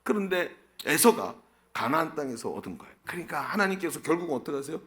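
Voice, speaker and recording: A man's voice: on the high side, big pitch swings, quick pace, a bit bright. A middle-aged male pastor preaching a sermon, asking the congregation questions and answering them himself.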